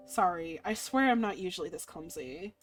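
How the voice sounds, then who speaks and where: A woman's voice: on the low side, lively intonation, moderate pace, close to an everyday voice. A woman voicing a wary, self-deprecating, worn-out human in a visual novel, casual and hesitant, over music. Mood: apologetic. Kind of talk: visual novel character reading. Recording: music playing underneath.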